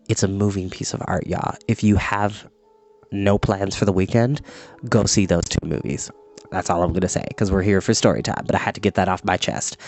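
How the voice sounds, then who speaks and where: A man hosting a storytime, chatty and animated, moving between casual talk and story reading. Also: on the low side. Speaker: storytime host and reader. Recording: music playing in the background.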